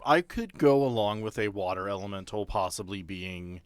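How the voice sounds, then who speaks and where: A man's voice: lowish voice, lively intonation, normal speed, clean tone, no echo. A man running a tabletop game as game master, narrating and explaining the rules in a conversational way. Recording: music behind the voice. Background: background music.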